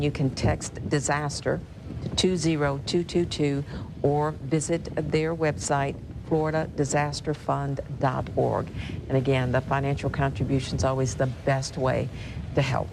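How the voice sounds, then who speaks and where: Low, creaky-voiced woman news anchor. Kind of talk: unscripted rolling storm coverage. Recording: clear background noise.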